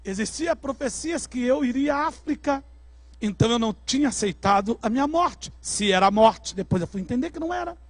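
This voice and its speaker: A Brazilian man preaching as a pastor, telling his testimony dramatically and shouting at the peaks. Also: very high voice, expressive, brisk, dry recording. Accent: Brazilian Portuguese. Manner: dramatic storytelling, shouting at climaxes. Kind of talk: sermon testimony. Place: church service.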